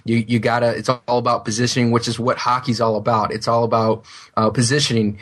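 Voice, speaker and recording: Earnest Texan game reviewer. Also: male voice, mid-range voice, flat delivery, fast, fairly bright tone. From Texas. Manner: earnest, explains with many ums and uhs. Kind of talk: casual panel review.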